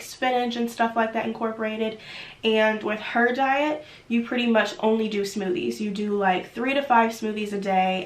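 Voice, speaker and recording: A woman's voice: medium pitch, fairly bright tone, roomy sound. A young woman vlogger talking casually to her viewers, sounding nasal from a cold, with lots of "like" fillers. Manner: chatty, filler-heavy with frequent "like". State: sick, nasal. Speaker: YouTube vlogger. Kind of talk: chatty vlog talk.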